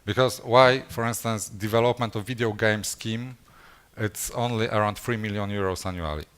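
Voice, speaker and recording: A man's voice: lowish voice, fairly even intonation, normal speed, a bit bright, smooth. A man speaking at a conference, answering audience questions in a hesitant way with many fillers and restarts. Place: conference session room.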